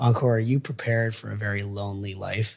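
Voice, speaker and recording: Against a quiet background, a man with fairly low pitch does a put-on character voice at a very fast pace. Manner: stern, military.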